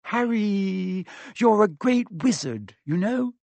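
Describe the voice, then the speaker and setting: A bookish young girl from a storybook, played by a male reader, high and emphatic. The delivery is precise and earnest, pitched well up and recorded close and dry. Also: animated, slow, gravelly, a little mellow, dry recording, full character voice. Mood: anxious, emotional.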